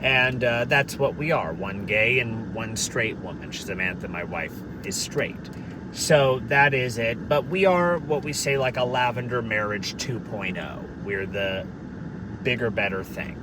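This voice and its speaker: A man with a deep voice speaking earnestly and candidly in a casual question-and-answer video, sometimes swearing for emphasis. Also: lively intonation, a little slow. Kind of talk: casual Q&A monologue. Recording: distant mic, noisy background.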